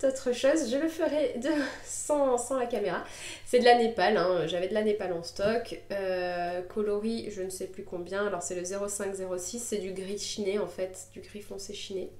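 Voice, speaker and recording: A woman talking through her knitting in a relaxed show-and-tell vlog, at a middling pitch for her sex. She is just getting over a cold and often stops and restarts her sentences. The camera mic picks her up in an echoey room at home. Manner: chatty, hesitant, many fillers and restarts. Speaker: knitting podcaster.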